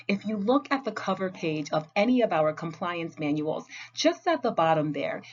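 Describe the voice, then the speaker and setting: A woman giving a scripted training narration as a compliance trainer, speaking in a clear, measured, instructional way. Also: on the low side. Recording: dull lo-fi audio.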